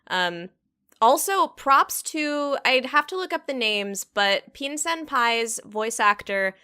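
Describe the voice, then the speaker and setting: Brief: young female co-host, bright voice, relaxed chatty delivery with ums. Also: a little high, slow, clean tone. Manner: laughs easily, hesitant fillers. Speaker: podcast co-host. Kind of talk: casual anime review chat.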